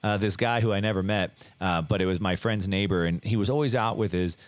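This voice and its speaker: A middle-aged man telling his life story in a casual interview, animated and full of fillers and restarts. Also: fairly low pitch, fairly quick, no room sound. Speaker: guest.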